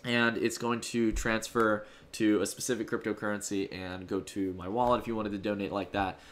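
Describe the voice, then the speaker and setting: A man's voice: fairly low pitch, flat delivery, moderate pace. A man hosting a livestream from home, casually thanking donors and answering chat in a loose, rambling way. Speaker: livestream host. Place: home room.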